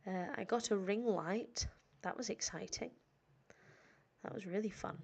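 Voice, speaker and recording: A woman from the north of England with a nasal voice and a northern English accent, sounding tired and a little hoarse, chatting casually and rambling with lots of fillers on a live stream for her English learners. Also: mid-range voice, unhurried. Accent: northern English, Sheffield. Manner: rambling, self-deprecating, frequent fillers. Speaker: English teacher.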